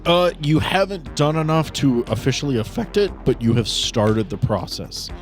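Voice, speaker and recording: A man acting as game master, narrating a tabletop role-playing game in descriptive, deliberate detail. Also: fairly high pitch, sing-song, soft background music.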